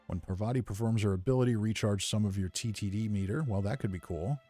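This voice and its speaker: A man's voice: on the low side, fast, warm tone, faint music behind. A man giving easygoing, casual game commentary, thinking aloud as he plays. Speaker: gamer narrating playthrough.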